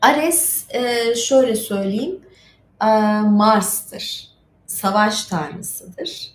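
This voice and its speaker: A woman's voice: on the high side, expressive, very slow. A middle-aged woman hosting an informal storytelling stream, reading and retelling myths in a chatty, digressive way with asides. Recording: echoey room with faint background noise.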